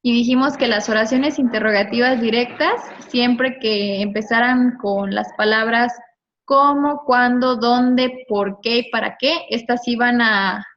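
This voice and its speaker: Woman teacher running a grammar class, kinda high voice, keeps asking the students stuff, muffled lo-fi audio. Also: unhurried, a bit bright, a little hiss or hum. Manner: prompting, asks the class for answers. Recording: dull lo-fi recording.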